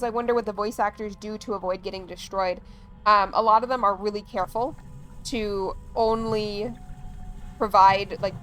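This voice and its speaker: A woman's voice: medium pitch, a bit bright. Chatty, rambling woman streamer. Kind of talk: casual livestream chat while gaming.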